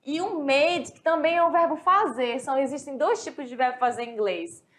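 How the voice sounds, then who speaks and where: A woman with a Brazilian Portuguese accent teaching a recorded English lesson, explaining slowly and repeating words, often checking in with her students. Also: high voice.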